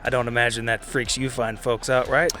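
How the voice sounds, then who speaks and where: A man playing a blunt, weary, world-worn character in a tabletop game, talking in a halting, informal, profane way. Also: mid-range voice, flat delivery, bright, forceful tone, soft background music, close to an everyday voice. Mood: weary, explaining.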